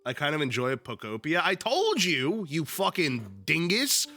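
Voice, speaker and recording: A young man with a sniffly voice, still a little sick, streams from home with his dog, chatting casually and reading a book aloud. His voice is fairly high, bright and forceful, with huge pitch swings and a slightly slow pace. He's loose and joking, swears freely, uses lots of fillers, and faint music plays behind him.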